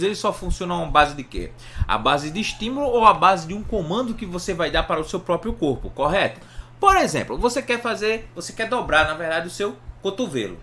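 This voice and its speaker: Brazilian male educator, informal and didactic, very lively intonation on a highish voice, frequent check-in questions. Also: slight background noise. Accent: Brazilian Portuguese. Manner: didactic, asks and answers own questions, frequent check-in tags. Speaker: health educator, online presenter. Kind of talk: informal anatomy lesson to camera.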